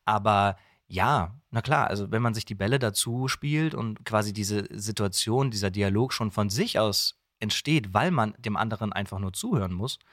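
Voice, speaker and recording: A man with a fairly low voice talks as a guest in a relaxed interview format. He explains things in an articulate, conversational way. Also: moderate pace, hardly any pauses, dry recording, studio quality. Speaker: podcast guest, voice actor.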